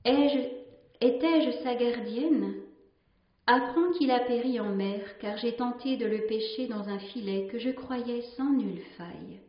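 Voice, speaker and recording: A woman's voice: a little high, takes it slowly. A woman voicing a stern old fisherman father who speaks solemnly and gives orders. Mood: grieving, reproachful. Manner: commanding, solemn. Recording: roomy, slightly dull recording.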